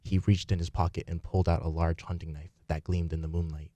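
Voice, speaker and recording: A man with a very low, mellow voice narrates a radio play. He reads the script in a theatrical storytelling style. The sound is dry and close. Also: flat delivery, quick pace, no room sound. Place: radio studio, live performance.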